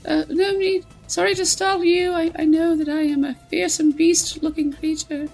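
A woman's voice: very high voice, little pitch movement, normal speed, creaky, darkish tone, pitched above the performer's own voice, rough recording. Meek, elderly beast-woman, acted by a female player, raised hesitant voice, apologetic, fantasy role-play. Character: frail, apologetic old female beast-like creature.

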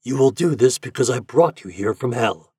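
A man voicing a troubled, stubborn soldier who pleads earnestly and loudly in a folk tale. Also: mid-range voice, expressive, normal speed, breathy edge, dry recording, clean studio sound, voice pushed up. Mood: urgent instructing.

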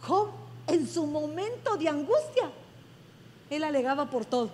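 A woman pastor giving an effusive, emphatic sermon. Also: extremely high pitch. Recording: long hall reverb.

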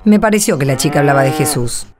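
A woman's voice: low voice, animated, quick pace, a crowd in the background. A woman playing a plain-spoken, kindhearted and insistent country woman in a radio play, with an Argentine accent and a direct manner. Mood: insistent, scolding. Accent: Argentine Spanish. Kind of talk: radio play dialogue acting.

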